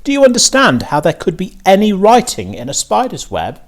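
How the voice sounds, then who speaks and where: A man reading as an anxious, animated farm mother. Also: high-pitched, a little fast, pitched above the performer's own voice, exaggerated voice. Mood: puzzled, uneasy. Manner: fretful, questioning. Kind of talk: children's storybook reading.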